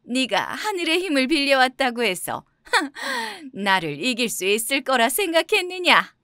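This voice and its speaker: A woman voicing a shrill sneering old witch. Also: very animated, a little slow, no echo, studio quality. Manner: loud, sneering and threatening. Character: menacing old female witch, scornful. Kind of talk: storybook character voice.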